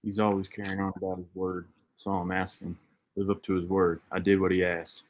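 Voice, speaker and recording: A man's voice: low voice, level tone, a little fast, highs cut off, close to an everyday voice. A man playing a terse, discontented townsman at a screenplay table read. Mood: resentful.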